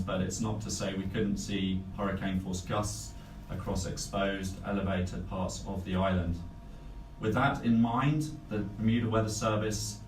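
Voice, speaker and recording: A man working as a weather forecaster, giving a careful, measured explanation in a briefing style. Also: sits low, a little mellow. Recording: echoey room, distant mic, faint noise.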